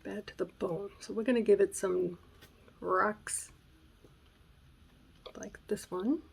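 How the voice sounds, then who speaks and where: A woman with a raspy voice hosting a casual craft tutorial at home, thinking aloud and sometimes dropping to a whisper as she works. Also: medium pitch, fairly even intonation, takes it slowly. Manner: chatty, thinking aloud while working, drops to whispers. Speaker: craft channel host. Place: home craft room on a gray day. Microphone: camera mic, moves close and away while working.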